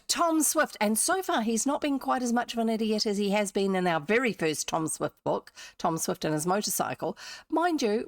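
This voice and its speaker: As a livestream host who reads old books aloud, a New Zealand woman chats to her viewers in a rambling, casual manner, cutting herself off with asides. Her voice is on the high side, and the sound is dry and clean, like a studio.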